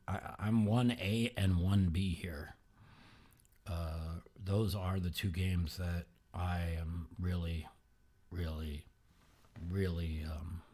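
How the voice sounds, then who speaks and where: Give me a slow, deep-voiced man hosting a podcast, sluggish and halting, quiet at times. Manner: halting, with many fillers and restarts. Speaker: podcast host. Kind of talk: casual sports betting talk.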